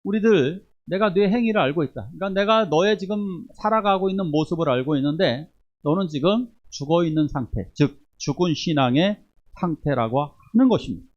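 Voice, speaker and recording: A man preaching a sermon as pastor, moving between forceful exhortation and quiet asides to the congregation. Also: a little high, expressive, a little fast, lo-fi sound. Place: church sanctuary.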